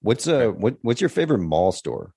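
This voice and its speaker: A male podcast co-host with a very deep voice talks in a casual, rambling way. The sound is dry, with no room around him. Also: very animated, moderate pace, gravelly, mellow, slightly rough, dry recording. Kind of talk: casual chat.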